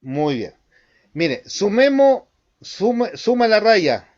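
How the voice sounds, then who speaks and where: A man's voice: high-pitched, big pitch swings, slow pace, darkish tone, highs cut off. Man pastor leading a Bible class. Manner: guiding questions, brief affirmations. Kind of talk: online Bible study discussion.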